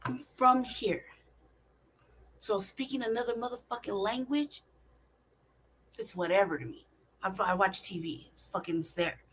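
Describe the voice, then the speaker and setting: A woman's voice: medium pitch, moderate pace, pauses often, breathy edge, low-quality recording. A woman from California talking in a casual monologue, swearing often, stressing her points and asking rhetorical questions. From California, United States. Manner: profane, emphatic, rhetorical questions. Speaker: vlogger.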